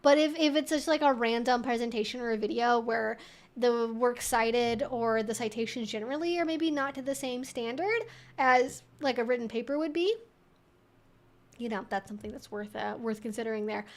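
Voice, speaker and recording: A woman hosting a casual question-and-answer livestream, talking in an animated, emphatic way with conversational asides. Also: fairly high pitch, moderate pace. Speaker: livestream host.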